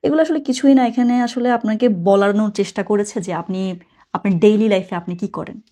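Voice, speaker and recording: A woman's voice: mid-range voice, brisk, warm tone. A woman teaching German from a textbook, chatty, explaining words step by step and correcting herself as she goes.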